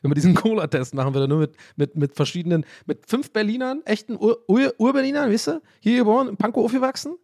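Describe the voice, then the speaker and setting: A man from a German village, telling a story in a casual monologue, animated, self-mocking and rambling. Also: high voice, quick pace, hardly any pauses, no room sound, studio quality.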